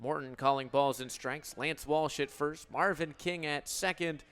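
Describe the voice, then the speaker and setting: An American man in his twenties calling live baseball play-by-play for radio in a crisp, descriptive announcer delivery. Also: on the high side, unhurried, a bit bright. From Illinois, United States. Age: 20s.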